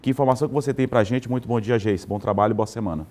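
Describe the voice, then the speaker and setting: Fast-talking male morning news anchor. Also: medium pitch, darkish tone. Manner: conversational, addresses viewers directly. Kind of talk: live morning news presenting. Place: TV studio.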